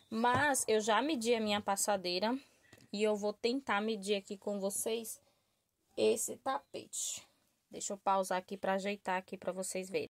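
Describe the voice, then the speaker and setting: Speaking in a mid-range voice, a Brazilian crochet host chats warmly with her viewers, addressing them as "gente" and sprinkling "tá?" and "né?" throughout her casual tutorial talk. She works at a table in a small room while an overhead camera captures her hands and the tabletop.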